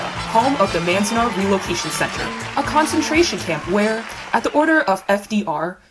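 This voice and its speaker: A woman's voice: mid-range voice, close to an everyday voice. A woman playing a breezy, sardonic game show host with showy announcer patter and mock sweetness in a satirical theater piece. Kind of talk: satirical readers theater performance.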